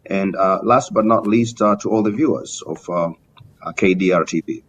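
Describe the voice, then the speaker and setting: A middle-aged man with a Tanzanian accent answering as an interview guest, formal and courteous, with many halting hesitations. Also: husky. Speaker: interview guest, community business leader. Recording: muffled lo-fi link with rumbling noise.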